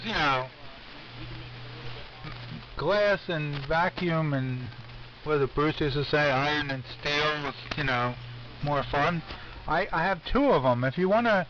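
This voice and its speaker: Band-limited shortwave radio, faint noise, sharp male voice, informal technical chat, halting explanations. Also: fairly high pitch, far from the mic, muffled recording. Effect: shortwave AM radio transmission. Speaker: amateur radio operator.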